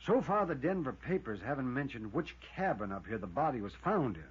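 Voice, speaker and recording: A muffled vintage radio recording of a courteous, fussy cabin owner. His voice is very raspy and his manner deliberate, in 1950s radio drama style. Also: medium pitch, sing-song. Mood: polite, concerned.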